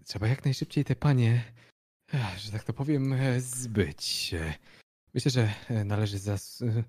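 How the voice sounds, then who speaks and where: A man voicing a stiff, formal male character in a tabletop game, speaking haltingly. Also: mid-range voice, darkish tone, breathy edge, dry recording. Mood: urgent.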